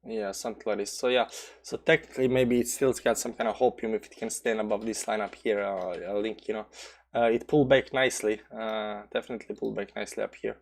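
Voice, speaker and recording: A man's voice: lowish voice, steady tone, quick pace. Rambling Balkan-accented man streaming crypto charts. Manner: rambling, many fillers and restarts; reads chat aloud and answers. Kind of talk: casual live chart commentary.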